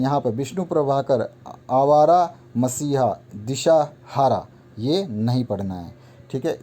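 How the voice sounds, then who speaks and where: A man's voice: mid-range voice, warm tone. A male teacher going through an exam syllabus item by item, repeating points in an instructive, patient way. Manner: repetitive, instructive, walks through a list item by item. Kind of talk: explaining a syllabus to students.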